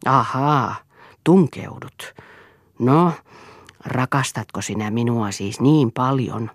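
A woman's voice: a bass voice, no echo, clean studio sound. A woman reading a sneering bitter husband. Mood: scornful. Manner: sneering, provoking. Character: bitter, scornful middle-aged husband.

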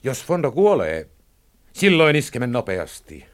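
Shrewd male politician, deliberate, radio play. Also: medium pitch, huge pitch swings. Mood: tense. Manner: measured, deliberate. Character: calculating male opposition leader, cautious and shrewd. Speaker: opposition leader. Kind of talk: 1960s radio drama acting.

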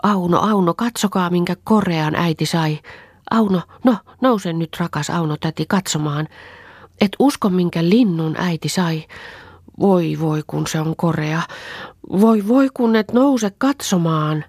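A woman voicing an excited little peasant girl who pleads breathlessly. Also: on the low side, slightly rough, no room sound, clean studio sound, pitched above the performer's own voice. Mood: excited pleading.

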